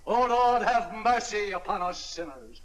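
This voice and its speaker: Fervent preacher figure: high, solemn, begging mercy for sinners. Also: male voice, expressive, a little slow, poor audio. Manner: solemn, pleading prayer. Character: man praying aloud about sinners, fervent. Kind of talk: 1940s film acting.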